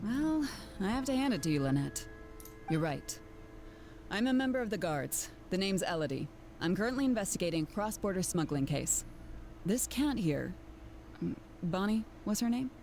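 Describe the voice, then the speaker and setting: A woman's voice: medium pitch, sing-song, normal speed, darkish tone, slight background noise. An actress playing a composed, confident undercover female investigator who talks in a cool, matter-of-fact way. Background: game music.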